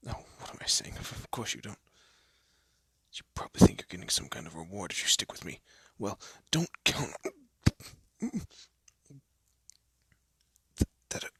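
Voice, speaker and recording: A man playing a haughty but secretly soft young elf prince in a scripted roleplay audio drama, with a pompous, formal manner and a breathy, often hushed voice. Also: low voice, big pitch swings, fairly quick, no room sound, exaggerated voice. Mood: flustered, moved. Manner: pompous, formal, flustered stammering.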